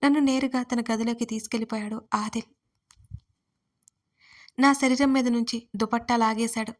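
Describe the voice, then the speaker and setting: A woman tells a heartfelt story in the first person, with a slightly high, fairly even voice. Her delivery is dramatic and emotional, like a serialized audio drama read by one storyteller.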